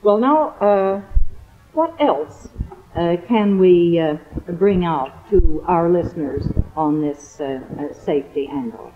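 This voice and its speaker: An American woman hosting a 1950s radio interview, speaking politely and haltingly. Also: on the low side, animated. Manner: polite, halting, hesitant phrasing. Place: convention hall radio interview. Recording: tinny phone-like 1950s radio recording.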